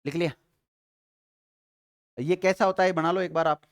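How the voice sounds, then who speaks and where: A man teaching a grammar class to students, asking questions and answering them himself, and dictating notes slowly with repeated phrases. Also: fairly high pitch, fairly even intonation. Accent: Rajasthani Hindi.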